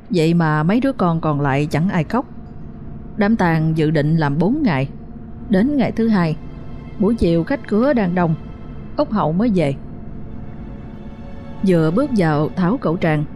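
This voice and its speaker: Low-voiced woman narrating a story. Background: soft background music.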